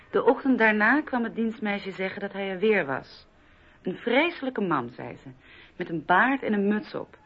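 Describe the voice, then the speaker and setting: An actress playing a cautious bourgeois wife giving guarded, self-justifying testimony in a radio drama. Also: female voice, mid-range voice, close to an everyday voice. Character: cautious married bourgeois woman recounting a dangerous visit. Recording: dull lo-fi radio recording.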